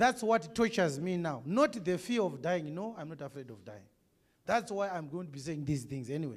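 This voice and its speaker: Moving at a fairly quick pace, a man with a Zimbabwean accent speaks at a fairly high pitch, with very wide pitch swings and big swings in loudness. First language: Shona. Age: 30s. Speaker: pastor. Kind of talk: sermon. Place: church. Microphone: handheld.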